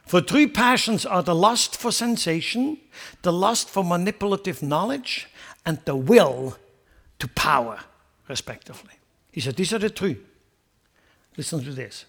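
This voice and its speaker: A man's voice: high voice, animated, a little slow, vocal fry, long pauses, a bit bright. A man preaching a sermon as a pastor, impassioned and repeating words as he builds emphasis.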